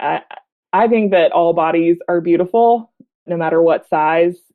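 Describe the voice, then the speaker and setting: A woman with a Southern US accent speaks at a moderate pace in a fairly low voice with fairly even intonation. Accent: Southern US, mild. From Alabama. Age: adult. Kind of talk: interview answer. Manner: matter-of-fact, confident.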